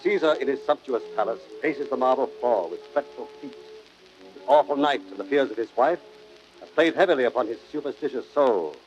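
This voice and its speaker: A man's voice: medium pitch, a little fast. A man giving solemn, scripted dramatic narration as the narrator of an audio play. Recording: dull old record with music behind. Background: music.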